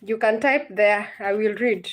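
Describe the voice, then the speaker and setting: A woman's voice: mid-range voice, a little slow. A woman, teaching literature in a live-streamed lesson, patient and repetitive, often checking whether her students understand. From Kenya.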